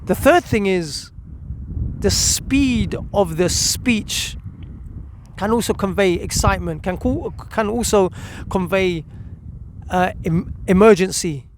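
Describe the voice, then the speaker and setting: A man's voice: high-pitched, takes it slowly, slight background noise. A man speaking as a parenting coach, giving a direct instructional talk with repeated key words and rhetorical questions. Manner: emphatic repetition with rhetorical questions. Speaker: parenting coach presenting a video.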